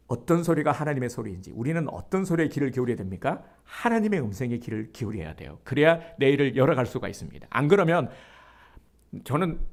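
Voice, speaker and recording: A male pastor preaching a sermon, emphatic, leading the congregation to repeat after him. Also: medium pitch.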